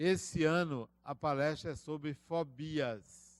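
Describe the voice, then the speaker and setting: On a very clean recording with a silent background, a man speaks at a very slow pace, his fairly high pitch showing ordinary variation. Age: 60s. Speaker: spiritist lecturer. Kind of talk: lecture with announcements. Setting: auditorium with live audience. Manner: conversational, addresses audience directly.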